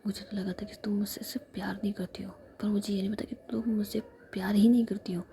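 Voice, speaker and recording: A woman's voice: mid-range voice, little pitch movement, quick pace, gravelly, mellow, a little hiss or hum, natural voice. A woman whispering the lines of a teasing, clingy young woman who keeps pleading for a kiss, in a playful, wheedling manner. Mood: hurt.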